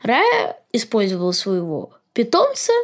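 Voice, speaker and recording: A woman's voice: a little high, wildly swooping pitch, a little slow. A woman co-hosting a podcast, explaining and retelling things in a casual chat style. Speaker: podcast co-host.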